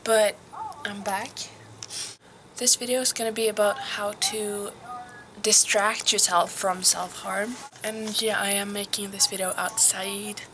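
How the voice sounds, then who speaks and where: A hesitant teenage girl talks through a casual vlog outside, her voice at an ordinary middle pitch. She speaks gently, trailing off and slipping into whispers now and then. A faint hum of outdoor ambience sits behind her. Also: little pitch movement, unhurried. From Norway. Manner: soft, hesitant, drops to a whisper at times. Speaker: vlogger.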